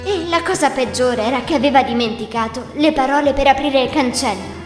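Reading a scripted fairy tale as narrator, a woman speaks briskly in a voice that sits high. The sound carries echoey hall reverb, with music in the background.

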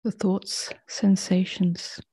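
A woman meditation teacher leading a guided meditation in a soft, breathy near-whisper, gently and with long pauses. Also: mid-range voice, flat delivery.

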